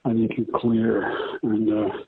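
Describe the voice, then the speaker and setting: A man's voice: fairly low pitch, little pitch movement, slightly rough. Give me a man leaving a tinny voicemail. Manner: halting, with pauses and fillers. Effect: played-back voicemail message. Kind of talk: phone voicemail. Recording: tinny, muffled phone voicemail.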